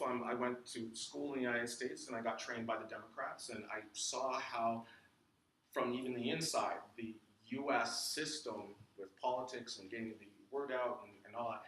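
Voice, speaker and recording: A man with a bright, forceful voice talks to a crowd, emphatic and direct. He sounds distant, in a very echoey room picked up from across the space, with a faint hum behind. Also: medium pitch, moderate pace. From Canada. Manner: emphatic, peppered with "okay?" and "I can tell you". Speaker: guest speaker. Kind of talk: talk with audience questions. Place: large echoey meeting room.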